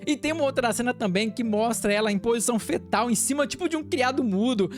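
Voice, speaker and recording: A woman with a Brazilian Portuguese accent recaps an anime episode in a lively, chatty way, laughing often as she talks. Her voice sits fairly high, and soft music plays faintly underneath. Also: fast talker. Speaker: anime channel host.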